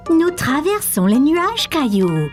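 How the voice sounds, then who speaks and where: A woman voicing a patient, loving mother in a dubbed cartoon, soft and encouraging. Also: high voice, big pitch swings, slow, over music, full character voice. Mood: gentle. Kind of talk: French-dubbed cartoon acting.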